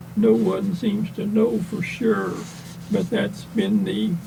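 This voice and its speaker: A man with a high pitch talks at a very slow pace amid noticeable background noise. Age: 80s+. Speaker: cochlear implant user sharing experiences. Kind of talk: interview.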